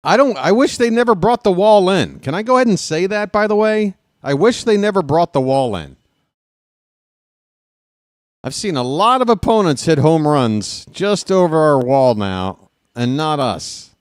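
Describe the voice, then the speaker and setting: A late-forties fan broadcaster gives casual live baseball play-by-play peppered with wry, sarcastic asides and grumbling, getting loud and animated when ranting. His voice is on the high side and unhurried, recorded at studio quality with no echo.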